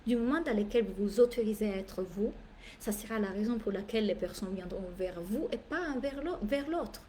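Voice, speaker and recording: At normal speed and medium pitch, with a little hiss or hum in the recording, a woman business coach gives a live masterclass in French, which is not her first language. Her delivery is animated, emphatic and playful, full of theatrical asides and repeated phrases.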